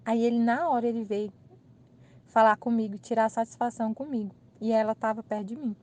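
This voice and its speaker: A woman with a Brazilian accent recounts an everyday mix-up in a lively, chatty way. Her voice sits a little high, and she acts out the others' lines as she tells it. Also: fairly quick. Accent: Brazilian Portuguese. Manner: animated, laughing retelling with quoted dialogue. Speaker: channel host. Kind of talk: casual storytelling.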